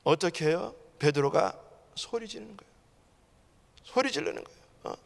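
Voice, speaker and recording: A man pastor preaching a fervent sermon in a church sanctuary. He keeps addressing the congregation directly and swings between loud outbursts and hushed asides. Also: high-pitched, lively intonation, normal speed, creaky. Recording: long reverb of a large church hall.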